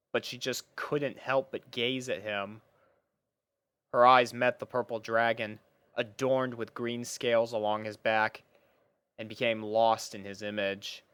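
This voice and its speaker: A woman narrating a scripted story in an expressive manner. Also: a bass voice, clean tone, dry recording.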